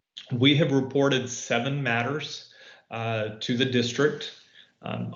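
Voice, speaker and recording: In a room with audible echo, a man speaks at a fairly slow pace in a flat monotone. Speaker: external auditor. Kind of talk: formal presentation to committee. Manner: halting with fillers and self-corrections.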